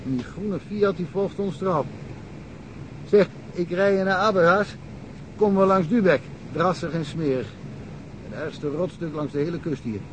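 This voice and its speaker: A wry, talkative small-town cop rambles through old cases with a dry chuckle. His voice sits a little high, with a faint hiss behind it. It is a radio play. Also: measured pace. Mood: amused, chatty. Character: chatty provincial cop, male, middle-aged, wry. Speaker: local police detective. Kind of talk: radio drama acting.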